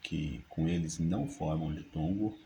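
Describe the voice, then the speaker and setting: A man, teaching a grammar lesson by reading rules and dictating example words slowly and deliberately. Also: extremely low pitch, mellow, slight background noise, low-quality recording. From Brazil.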